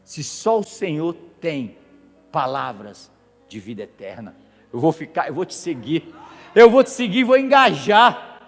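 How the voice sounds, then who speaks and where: A man's voice: mid-range voice, big pitch swings, takes it slowly, big-room sound, faint music behind, voice pushed down, exaggerated voice. A man playing Peter as a worried, devoted disciple during a sermon, pleading with stumbling repetitions.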